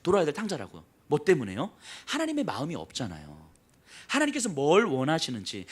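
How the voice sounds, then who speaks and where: Male pastor, sermon delivery; high, animated voice, brisk storytelling with acted asides. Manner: lively storytelling, acts out quoted voices, drops to soft low emphasis.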